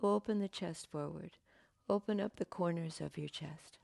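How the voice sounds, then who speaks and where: A woman teaching a yoga class, giving gentle, unhurried cues with pauses and fillers, her voice slightly croaky. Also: fairly low pitch, dry recording, studio quality. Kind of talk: guided yoga class instruction.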